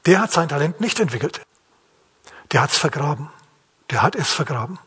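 A man's voice: fairly high pitch, lively intonation, moderate pace, a bit bright, husky. A man preaching a sermon in a plain-spoken, questioning way, acting out the quotes. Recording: long hall reverb.

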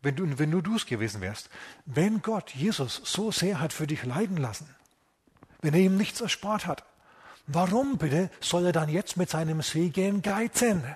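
A man preaching a lively sermon, talking casually to his listeners and often asking them questions. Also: fairly high pitch, moderate pace, husky. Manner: animated, acts out voices of biblical figures; conversational, asks the congregation questions.

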